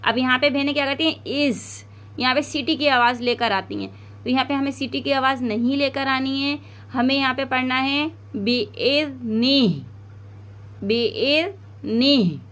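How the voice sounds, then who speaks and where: Her voice sits high and fairly bright as this woman, speaking with a South Asian Urdu accent, guides learners through Quran recitation. She models each word with slow, drawn-out delivery, then explains rapidly.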